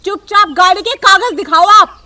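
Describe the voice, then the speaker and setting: A woman playing a sharp-tongued young police officer who is also a daughter-in-law. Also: extremely high pitch, normal speed, a little hiss or hum, exaggerated voice. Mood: stern. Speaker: police officer in a comedy telefilm.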